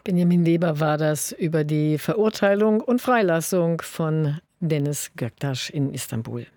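A man presenting radio news in a steady, formal announcing manner. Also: fairly high pitch, a little slow.

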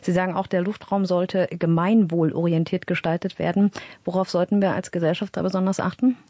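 A woman hosting a radio science interview, asking calm, attentive questions. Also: fairly low pitch, fairly quick, no room sound. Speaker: radio host.

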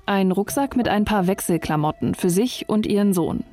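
A woman journalist narrating a documentary report in a calm, measured, scripted way. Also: medium pitch. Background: faint music.

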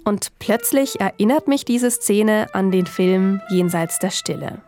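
A woman journalist reading scripted documentary narration in a calm, measured storytelling manner. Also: medium pitch, music in the background.

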